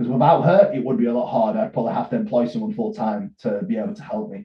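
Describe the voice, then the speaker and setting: This man's voice is somewhat breathy. His pitch swings very widely. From abroad, moved to England at 11. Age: 20s. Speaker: pro bodybuilder and gym owner. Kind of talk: interview podcast.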